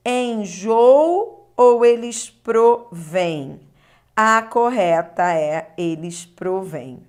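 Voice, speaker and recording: Woman, unhurried delivery, patient grammar teacher, frequent check-in questions. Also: mid-range voice. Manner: explanatory, checks understanding with tag questions. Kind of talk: video lesson on grammar exercises.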